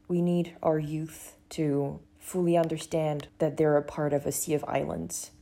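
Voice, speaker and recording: A woman with a Tahitian accent reads a personal reflection in a soft, measured voice. Her tone is mellow and dark, sitting a little low. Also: little pitch movement, vocal fry. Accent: Tahitian French. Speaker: English teacher. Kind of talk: reading a personal essay.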